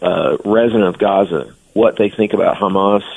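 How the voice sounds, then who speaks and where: A man's voice: lowish voice, normal speed, vocal fry, narrow, tinny audio. A man speaking as a guest on a radio interview, giving earnest, blunt opinions. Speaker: guest commentator.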